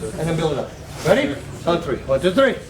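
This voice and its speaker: A man coaching a striking class, counting out combinations with punch sounds and shouting cues to his students. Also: fairly high pitch, big pitch swings, brisk. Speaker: martial arts coach. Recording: roomy, distant, faint gym noise.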